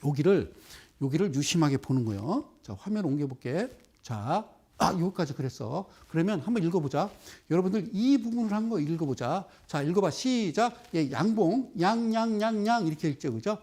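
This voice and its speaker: Animated high-voiced man lecturing on stocks. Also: breathy edge. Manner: animated, talks straight to viewers with rhetorical questions; drops into slow, drawn-out explaining while pointing at a chart. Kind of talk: televised investment lecture.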